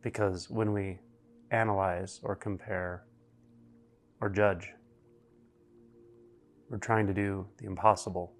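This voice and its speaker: Low, even-voiced man guiding meditation. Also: faint music behind. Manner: slow, deliberate, with long pauses between phrases. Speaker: meditation guide. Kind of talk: guided meditation narration.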